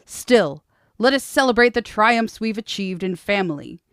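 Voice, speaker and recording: A woman voicing a brutal, broad-shouldered young male high prince who makes loud proclamations. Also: animated, moderate pace, smooth, no room sound, studio quality. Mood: proclaiming.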